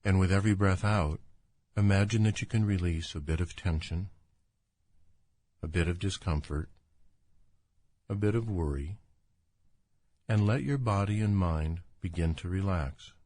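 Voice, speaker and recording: A doctor with a deep, low voice guides a relaxation meditation in a calm, soothing, unhurried way. The recording is dry and close, with no room sound.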